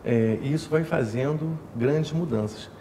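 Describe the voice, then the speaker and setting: A man's voice: fairly high pitch, measured pace, dark tone. A man, an umbanda house leader explaining his faith in an interview, thoughtful and full of fillers and tag questions. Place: indoor temple room with altar. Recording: echoey room with faint hiss.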